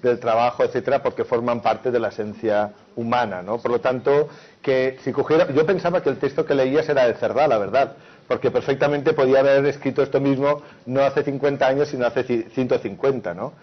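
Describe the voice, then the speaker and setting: A man reasons aloud on a panel, restarting words and checking in with his listeners. His pitch sits in the middle range. The audio is muffled, like a lo-fi conference recording. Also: brisk. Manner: thoughtful, restarts words, tags with "¿no?". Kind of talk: panel discussion.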